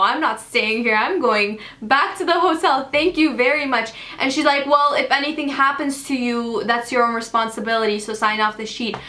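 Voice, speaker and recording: Young female vlogger, dramatic storyteller, bright tone, echoey room. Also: sits high. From Canada. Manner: dramatic, animated retelling with many fillers. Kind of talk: storytime vlog.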